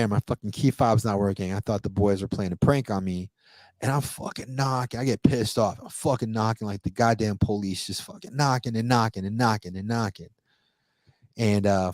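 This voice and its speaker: A man telling a rambling, profane party story as a podcast guest, in a casual animated way. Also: on the low side, no room sound.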